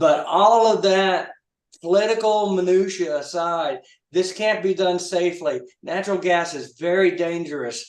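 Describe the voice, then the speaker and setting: A man speaks at a fairly slow pace in a high pitch. His intonation is fairly even. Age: 50s. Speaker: public commenter. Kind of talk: public comment. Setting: video call. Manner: halting.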